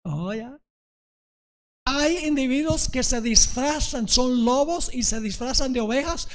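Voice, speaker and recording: During his sermon, a male pastor asks the congregation over and over if they understand, and he recounts a parable dramatically. His voice is very high-pitched and expressive, and he takes his time.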